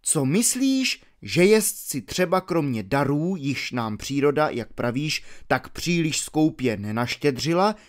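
A man's voice: fairly high pitch, big pitch swings, hardly any pauses. A man doing a coaxing young Roman man. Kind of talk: audiobook reading of a classical dialogue.

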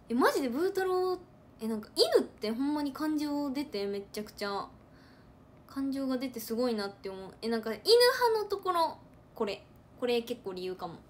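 A young woman from Hyogo with a Kansai accent, chatting casually on a livestream into a phone, animated and repeating words for emphasis. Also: sits high, slight background noise. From Hyogo, Japan. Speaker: idol trainee livestreamer. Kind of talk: casual livestream chat reading comments.

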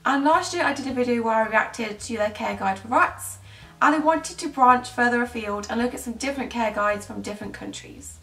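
A woman's voice: a little high, a little fast, fairly bright tone. A young woman in her twenties with a British accent, giving casual commentary to camera as a pet-care vlogger. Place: small bedroom indoors. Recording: roomy echo, distant microphone, faint music.

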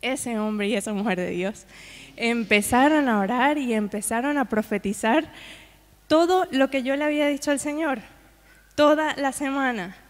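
A woman's voice: a little high, normal speed. Woman preaching a testimony in a reverberant hall. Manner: conversational, addresses congregation with frequent asides. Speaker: guest preacher. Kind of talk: personal testimony in a sermon. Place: church hall.

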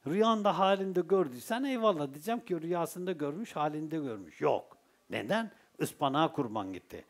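Man, Turkish accent, Sufi teacher, high voice, lively pitch, rhetorical questions. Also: fairly quick. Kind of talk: religious talk.

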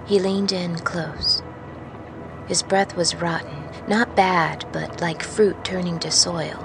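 A woman playing a wary, haunted truck driver in an intimate, confiding, halting audio-drama monologue. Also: on the low side, steady tone, gravelly. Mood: dread. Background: music.

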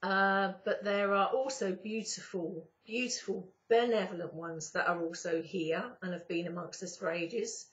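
This clip features a middle-aged woman, a spiritual channeler and YouTuber, talking casually to camera while seated on a sofa indoors. Her croaky, mid-range morning voice moves slowly with fairly even intonation and long pauses, captured by a nearby webcam with slightly dull sound.

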